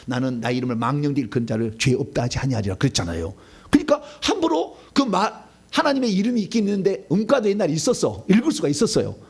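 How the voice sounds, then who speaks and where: Animated high-pitched pastor teaching. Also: male voice, slightly rough. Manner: animated teaching, asks the audience questions, laughs at own slips. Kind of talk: sermon lecture.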